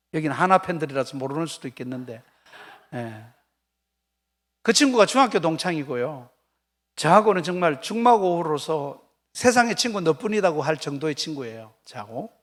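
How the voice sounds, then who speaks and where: A man's voice: a little high, a bit bright. An older man preaching a revival sermon as a pastor, telling stories with acted quotes and questions put to the congregation. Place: church sanctuary.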